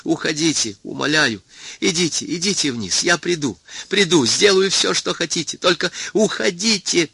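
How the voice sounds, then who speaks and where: A man's voice: very high-pitched, slow pace, vocal fry, pushed and bright, husky, no echo, voice pushed up, exaggerated voice. A man voicing a gaunt, haunted male scientist who turns from haughty to plaintive and pleading.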